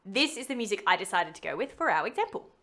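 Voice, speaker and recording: A woman's voice: medium pitch, sing-song, fast. Playful woman presenting a tutorial. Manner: chatty, playful, with wry asides. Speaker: voice actor giving a tutorial. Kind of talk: scripted tutorial narration.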